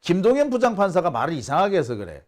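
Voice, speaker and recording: A man's voice: high-pitched, huge pitch swings, fast talker, a little mellow. A middle-aged man giving casual, indignant political commentary. He acts out the people he quotes and fires off rhetorical questions. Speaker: journalist host of a political channel.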